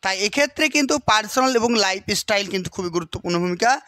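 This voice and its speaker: A man with a West Bengal Bengali accent teaching an exam-prep lesson. He reads English lines slowly, explains them, and keeps asking rhetorical questions to check understanding. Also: high voice, animated, sharp tone, dry recording. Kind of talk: explanatory lecture.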